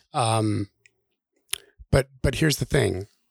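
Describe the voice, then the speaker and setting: Recorded with a dry, close sound and no echo, a man with vocal fry speaks at medium pitch with ordinary pitch variation. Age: 40s. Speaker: podcast host and parent. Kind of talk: casual conversational podcast chat.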